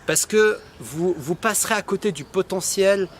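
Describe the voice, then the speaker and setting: Relaxed French-speaking man vlogging. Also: sits high, moderate pace, a little hiss or hum. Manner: relaxed, spontaneous, frequent filler hesitations. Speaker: personal development vlogger. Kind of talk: improvised casual talk to camera.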